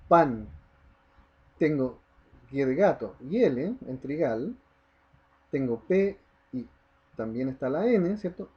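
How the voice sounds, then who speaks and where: A man's voice: on the high side, dark tone, breathy edge, dull audio. A man teaching a primary school class, explaining step by step, stressing the example words and often checking in with the children. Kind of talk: recorded online class lesson.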